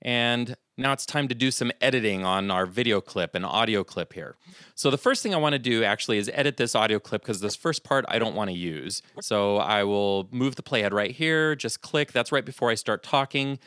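Calm man explaining software, dry sound. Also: lowish voice, moderate pace, clean tone, no room sound. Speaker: video tutorial host. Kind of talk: screen-recorded software tutorial.

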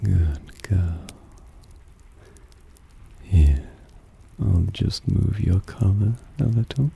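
A man playing a suave, possessive vampire in intimate ASMR roleplay, soft, teasing and soothing, often dropping into a whisper. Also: deep voice, extremely slow, creaky, a little hiss or hum, heavily acted.

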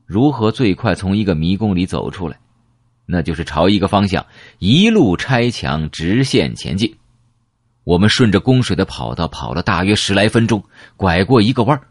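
A man's voice: low voice, no room sound. A man reading a novel aloud in dramatic first person, telling the story vividly and expressively into a close mic. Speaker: audiobook narrator.

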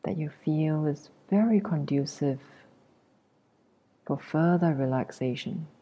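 Low, slow, breathy woman guiding meditation. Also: muffled recording. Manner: gentle, unhurried, long pauses between short phrases. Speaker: meditation teacher. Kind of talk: guided meditation.

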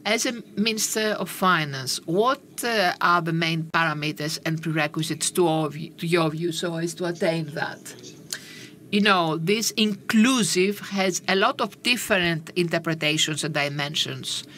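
A woman giving simultaneous interpretation of a panel discussion, with a halting, measured delivery and frequent pauses. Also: on the low side, a bit bright, a little hiss or hum. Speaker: conference interpreter.

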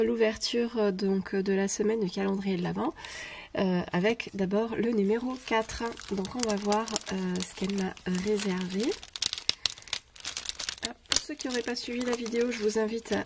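A craft vlogger with a cold unboxes craft gifts on camera, her stuffy mid-range voice staying steady. She stays off-frame as the camera looks down on the tabletop, hesitating often with pauses and "euh" fillers while paper crinkles and clicks sound over a noisy background.

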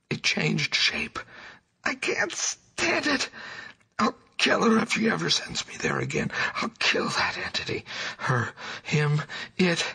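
A man voicing a frenzied, terrified madman in hoarse, half-incoherent outbursts for a horror audiobook. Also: high voice, sharp tone, voice pushed up, full character voice. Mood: murderous hysteria. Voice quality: hoarse, breathy rasp breaking into shrieks. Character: frenzied male madman raving in terror of unholy horrors. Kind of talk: dramatic horror audiobook reading.

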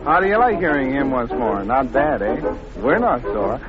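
A man's voice: mid-range voice, sing-song, normal speed. A man doing 1930s radio variety show patter and song, welcoming the star. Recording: dull old 1930s radio recording. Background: loud band music.

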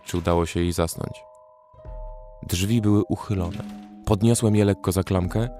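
A young man recounting his survival in a horror audio drama, telling the story in a measured, steady way with a very low voice, as an actor narrates it. Faint music sits behind the narration. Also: lightly acted. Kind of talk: first-person scripted horror narration.

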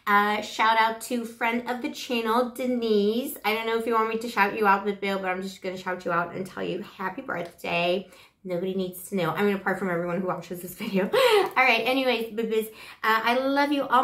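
A woman with a flu-hoarse voice giving a playful, rambling tarot reading to camera on a lapel mic. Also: fairly high pitch, roomy sound. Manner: gushing, playful, rambling with fillers. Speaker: tarot reader. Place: small bedroom with kitchenette. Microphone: clip-on lapel mic.

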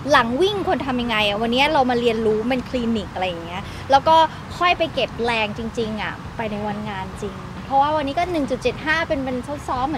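A young woman chatting casually and quickly to press microphones at an outdoor park event. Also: fairly high pitch. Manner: chatty, quick and upbeat, trailing particles. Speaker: celebrity guest at a charity run. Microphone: press microphones held close. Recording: noisy outdoor location sound.

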